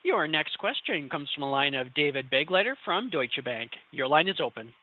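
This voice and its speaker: A man's voice: a little high, sing-song, moderate pace. A man working as a conference call operator, making scripted announcements to introduce callers. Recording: narrowband phone line.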